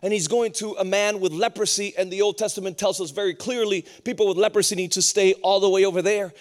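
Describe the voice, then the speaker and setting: A man in his thirties from Puerto Rico, preaching a sermon with humor and rising intensity. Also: fast. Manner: lively, humorous preaching that climbs higher and more intense as it goes. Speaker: pastor.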